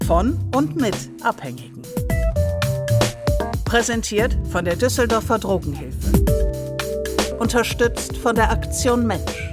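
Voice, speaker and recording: Slow female announcer over loud music. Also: fairly high pitch, animated. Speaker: show announcer. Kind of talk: scripted show opener.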